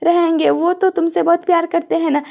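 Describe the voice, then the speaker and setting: A woman reading a calm, protective older brother. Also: extremely high pitch, brisk, creaky. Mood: reassuring. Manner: calm, reassuring. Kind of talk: audio story reading.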